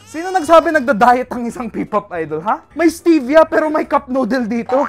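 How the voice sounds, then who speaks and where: Brief: young male vlog host, playful and excitable, animated delivery, soft music under. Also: extremely high pitch, brisk. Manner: teasing, laughs often, excitable. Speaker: vlog host doing room tours. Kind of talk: playful casual room-tour banter.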